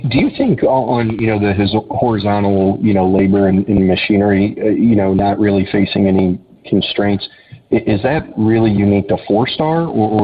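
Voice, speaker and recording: A man calling in as an analyst to an earnings call, asking questions in a halting way with stammered restarts. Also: on the low side. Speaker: analyst caller. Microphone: phone. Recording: tinny phone line with faint noise.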